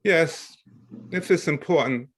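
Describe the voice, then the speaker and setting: A man playing a busy, dry magazine editor in a play reading, with a measured, deliberate manner. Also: on the high side, a bit bright, slight background noise. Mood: dry, curt. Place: online video call reading. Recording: video call audio.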